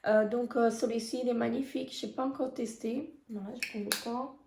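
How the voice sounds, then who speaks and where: Hoarse lady doing a makeup review, highish mellow voice, lots of pauses, echoey room. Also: steady tone. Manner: halting, full of hesitations. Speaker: beauty vlogger. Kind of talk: casual product review.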